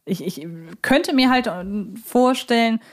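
A woman's voice: fairly high pitch, lively intonation, takes it slowly. Woman chatting as a podcast co-host. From Hamburg, Germany. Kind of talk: casual conversational podcast discussion.

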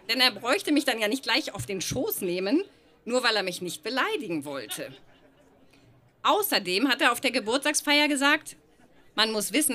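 A woman's voice: fairly high pitch, pushed and bright. A woman reading her childhood diary aloud at a live show, often laughing through the text.

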